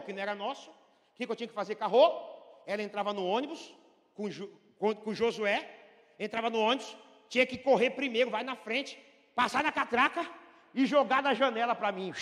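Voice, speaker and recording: A man from Brazil preaching a fervent sermon as pastor, swinging from hushed storytelling to shouting. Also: sits high. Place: church hall with long reverb. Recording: reverberant church hall.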